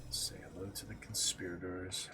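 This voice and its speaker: A man's voice: deep voice, little pitch movement, normal speed, noisy background. A man giving casual, musing video game commentary in short asides. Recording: game music behind.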